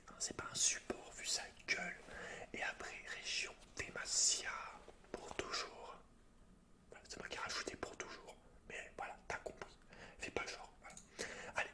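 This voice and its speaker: Whispering throughout, a man hosts an ASMR gaming video, chatting and reading game lore aloud. His breathy, unvoiced delivery has a soft, informal intimacy, as if speaking to one listener directly.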